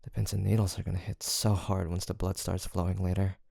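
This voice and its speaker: A man acts out a college-aged best friend in an intimate audio roleplay. His low voice is mellow and gravelly at the edges, with a casual, teasing delivery that stays fond and playful. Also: little pitch movement, brisk, no echo, studio quality, full character voice. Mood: drowsy mock complaint. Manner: casual, playful, murmured hesitations and soft laughs.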